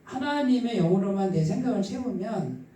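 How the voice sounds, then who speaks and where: A man preaches in a very echoey church, picked up from some distance. His voice is husky, mellow and a little stifled. He talks to the congregation conversationally, often asking a question and then answering it himself. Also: high voice, animated, normal speed. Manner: asks the congregation rhetorical questions and answers them. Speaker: pastor preaching. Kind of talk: conversational sermon. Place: church midweek service, echoing room.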